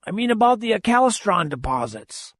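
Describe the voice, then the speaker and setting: A man voicing a blustering older spaceship captain, gruff and roaring. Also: high-pitched, sing-song, a little fast, a bit bright, no echo, clean studio sound, pitched above the performer's own voice, heavily acted.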